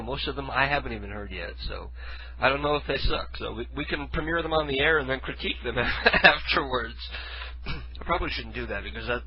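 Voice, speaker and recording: The recording is muffled with slight background noise as a medium-pitched man, stuffed up from a cold, rambles casually on his homemade internet radio show. He broadcasts from his living room using a studio mic and headphones, talking loosely and making fun of himself.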